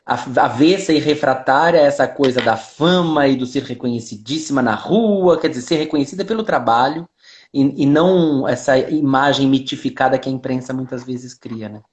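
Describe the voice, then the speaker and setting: A man's voice: medium pitch, normal speed. A man from Brazil hosting a video-call interview and asking long, courteously phrased questions. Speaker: host, interviewer. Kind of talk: interview conversation.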